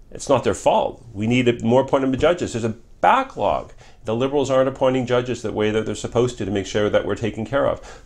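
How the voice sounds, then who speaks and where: A middle-aged man whose first language is Polish, a former member of Parliament answering interview questions in an earnest, repetitive way with many restarts. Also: mid-range voice. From Canada.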